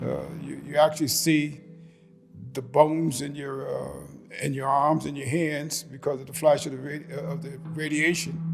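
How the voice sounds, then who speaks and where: With music in the background and audible room echo, a man talks at a moderate pace in a fairly high, monotone, flat voice whose loudness swings widely. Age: 80s+. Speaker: war veteran. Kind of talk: interview testimony. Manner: halting, with repetitions and fillers.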